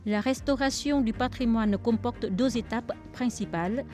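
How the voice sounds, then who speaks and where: A woman narrating a French-language news report in a measured, even read. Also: on the high side. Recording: voice-over with clear music behind.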